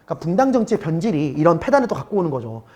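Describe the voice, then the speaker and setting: A man's voice: a little high, big pitch swings, very fast, a little mellow. A man teaching a middle school history class in a recorded online lecture, talking to his students casually and asking them rhetorical questions. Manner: switches between polite and casual speech.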